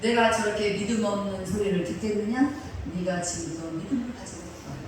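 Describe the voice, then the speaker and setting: A woman voicing God, speaking slowly and gravely in a tender, commanding tone. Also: medium pitch, noisy background, natural voice. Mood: solemn. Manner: slow, grave and hushed. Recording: echoey church hall, mic far off.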